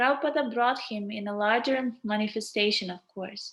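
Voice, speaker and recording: A woman's fairly high voice in a Croatian accent, with ordinary pitch variation and a moderate pace. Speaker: devotional reader. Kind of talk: reading aloud. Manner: halting, self-correcting.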